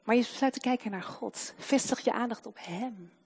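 A woman delivers a sermon in a voice pitched a little high. She swings between loud, fervent proclamation and soft, slowed emphasis on key words. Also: husky. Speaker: preacher.

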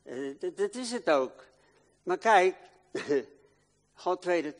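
An older man preaching a sermon in a church, swinging from loud declaiming to quiet, confiding talk. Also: high-pitched, lively intonation, slow, long reverb tail.

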